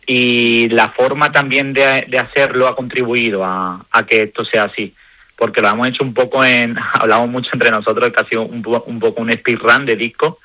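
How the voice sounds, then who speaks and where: A man, a band member calmly explaining his views in a radio interview. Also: medium pitch, normal speed, no echo. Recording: dull lo-fi radio sound.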